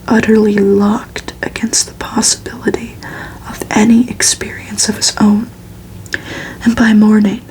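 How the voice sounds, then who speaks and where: A woman reading a book aloud as ASMR in a hushed, breathy whisper with crackly edges. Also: mid-range voice. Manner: slow, hushed, even delivery. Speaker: ASMR reader and host.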